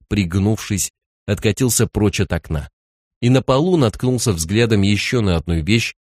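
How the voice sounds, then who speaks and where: A man narrating a thriller audiobook in an even, measured storytelling voice on a close studio mic. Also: on the low side, no room sound. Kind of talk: scripted narration.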